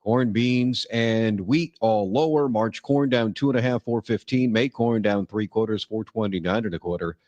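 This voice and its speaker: A male market reporter with a fairly low voice, reading commodity and stock prices from a script. The delivery is clipped and list-like, figure after figure, in a dry studio sound. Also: moderate pace, hardly any pauses, a little mellow, no echo, dull audio. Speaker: farm radio market reporter.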